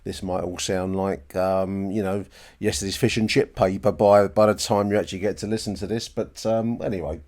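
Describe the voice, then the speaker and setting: A man's voice: low voice, fairly even intonation, moderate pace, darkish tone. A man hosting a podcast, chatting informally and wryly to his listeners. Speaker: podcast host. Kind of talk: casual podcast chat to listeners.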